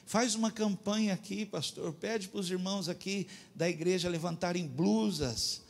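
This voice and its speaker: A man's voice: sits high, moderate pace, gravelly. Pastor acting out a desperate pleading man. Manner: pleading, urgent. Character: tearful pleading grown man, desperate friend.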